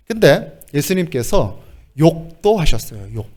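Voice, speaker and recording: A male pastor delivers a sermon with a voice pitched a little above the usual for a man. He is lively and expressive, breaking into short laughs and acting out the lines he quotes. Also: measured pace, noisy background.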